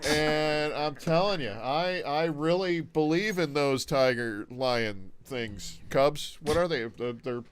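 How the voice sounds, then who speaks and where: A man co-hosting a live show, cracking deadpan jokes in casual banter. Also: a little high, slow pace, hardly any pauses. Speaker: co-host. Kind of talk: joking live-stream banter.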